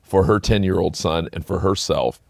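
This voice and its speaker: Man, very low gravelly voice, affirming, casual chat, dry close sound. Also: moderate pace, no room sound. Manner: affirming, frequent "right" and "yeah". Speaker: podcast co-host.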